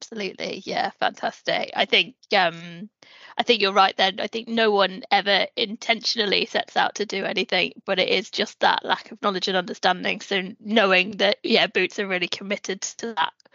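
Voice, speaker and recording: With an English accent, a woman talks at a moderate pace. Her pitch is medium and her intonation fairly even. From England. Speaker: podcast host, inclusion consultant. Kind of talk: podcast interview; scripted intro.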